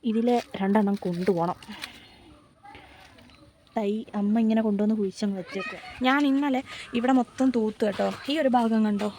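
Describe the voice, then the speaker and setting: A woman's voice: mid-range voice, moderate pace, pauses often, a little hiss or hum. A young woman from Kerala, talking to camera in a casual vlog, musing and confiding as she walks around her home garden. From Kerala, India. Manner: soft-spoken, musing and confiding. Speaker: vlogger.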